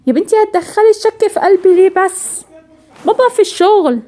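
A woman's voice: very high voice, expressive, fast, warm tone. A woman voicing a patient, affectionate mother with an Egyptian accent. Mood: doubtful. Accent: Egyptian Arabic. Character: gentle caring mother of a young girl.

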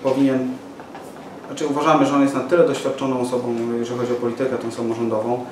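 A man's voice: mid-range voice, flat delivery, fast. A man in his forties making a press conference statement, hesitant with many fillers and restarts. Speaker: local party activist at press conference. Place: small office room with window. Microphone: far camera mic. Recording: echoey room from far off, noisy.

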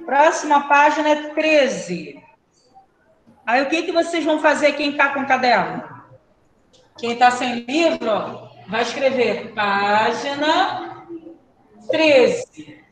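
Brisk high-voiced Brazilian teacher, echoey room. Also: female voice, lively intonation. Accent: Brazilian Portuguese. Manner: brisk, questioning, calls pupils by name. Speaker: primary school teacher. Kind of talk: online class with pupils. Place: classroom.

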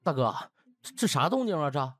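A man's voice: on the high side, very animated, brisk, fairly bright tone, dry recording, faint music behind. A man voicing a cheeky, easily startled young doctor in a comic audiobook, colloquial and exclamatory.

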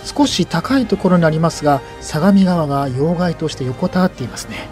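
Male history narrator, somewhat high-pitched, soft mellow tone, explanatory guide delivery. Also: lively intonation, a little fast, soft background music.

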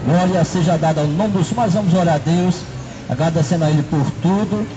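High-voiced street preacher. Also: male voice, brisk, highs cut off, music in the background. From Brazil. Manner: repetitive, fills with "né" and "não é". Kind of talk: open-air sermon. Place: city park square, outdoors. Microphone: handheld microphone.

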